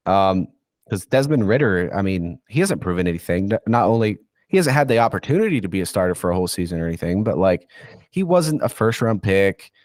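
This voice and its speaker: A man's voice: fairly low pitch, a little mellow, no room sound, clean studio sound. A man with a stuffy, congested voice from being sick, talking in a rambling, rant-prone way as a guest football insider on a casual sports chat. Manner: rambling, rant-prone, says "dude" and "okay".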